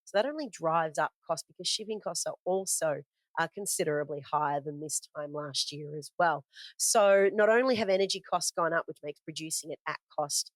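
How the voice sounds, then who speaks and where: Female podcast host, low-ish voice, dry booth, chatty and unscripted. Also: a little fast, no echo. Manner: conversational, with frequent fillers and self-corrections. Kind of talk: casual spoken market commentary from notes.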